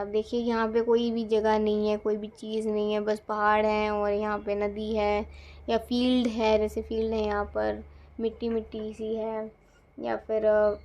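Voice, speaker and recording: Gentle hesitant woman, fairly high voice. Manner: gentle, hesitant, many fillers. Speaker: tarot reader. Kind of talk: guided visualization narration.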